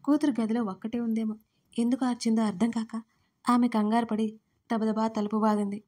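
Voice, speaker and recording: A woman narrating a romance audio story in an even, steady reading voice. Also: fairly high pitch, fairly quick.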